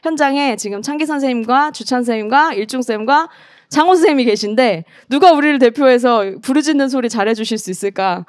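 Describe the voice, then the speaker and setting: A woman evangelist preaching to a youth group in a lively storytelling style, asking questions and calling the teens by name. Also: sits high, brisk, no room sound, clean studio sound. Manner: lively storytelling, acts out scripture quotes; asks the teens questions and calls them by name. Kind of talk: youth sermon over video call.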